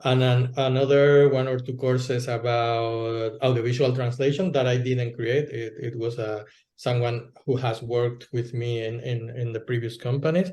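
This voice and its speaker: A man's voice: mid-range voice, fairly even intonation, moderate pace, a little mellow, echoey room. A man, a guest in a casual interview, talking hesitantly with many restarts. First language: Spanish. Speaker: guest, localization entrepreneur.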